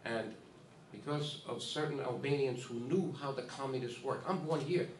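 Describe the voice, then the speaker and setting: An emphatic man with a mid-range voice speaks at normal speed, giving an informal, off-the-cuff speech at a ceremony. He repeats himself and talks directly to the audience. A distant mic records him in an echoey hall with faint hiss.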